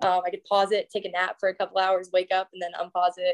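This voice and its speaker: The speech moves at a fairly quick pace over a quiet background. The sound is dry and close, with no echo. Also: woman. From US (moved from England as small child). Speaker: softball pitcher. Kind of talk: interview. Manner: loud.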